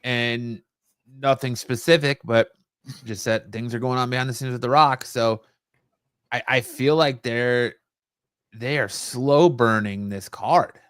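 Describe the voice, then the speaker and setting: Man, mid-pitched voice, casual sports discussion, podcast co-host, dry recording. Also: steady tone, a little slow, fairly bright tone, clear, resonant tone, dry recording.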